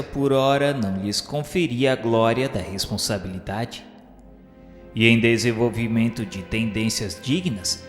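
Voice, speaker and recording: An earnest male spirit pupil played by a man narrates a dark journey for a radio drama. His delivery is slow, solemn and literary. The voice rings with heavy echo over music. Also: medium pitch, natural voice. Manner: solemn, deliberate, formal. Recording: echoey long reverb with music behind.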